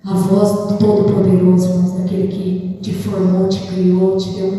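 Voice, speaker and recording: A woman's voice: mid-range voice, monotone, moderate pace, mellow. A woman evangelist with a Brazilian Portuguese accent, preaching a sermon at an intercession meeting in a conversational way and often calling out to her listeners. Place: church hall. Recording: distant voice in an echoey hall.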